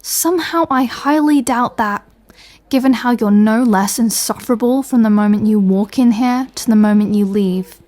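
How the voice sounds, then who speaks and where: A woman's voice: on the high side, moderate pace, darkish tone, natural voice. Exasperated, sarcastic superheroine played by a woman. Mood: dry, irritated. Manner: dry, sarcastic, exasperated retorts. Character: irritated, stubborn, proud female superhero patient. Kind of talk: comedic audio roleplay acting.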